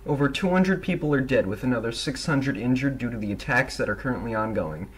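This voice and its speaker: A man's voice: mid-range voice, animated, fairly quick, husky. A man reading a scripted news report as a reporter.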